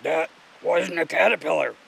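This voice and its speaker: A man playing a patient, knowledgeable man who calmly explains nature in a storybook. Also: fairly high pitch, moderate pace, creaky, breathy edge, exaggerated voice, poor audio. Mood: explaining. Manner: calm, explanatory.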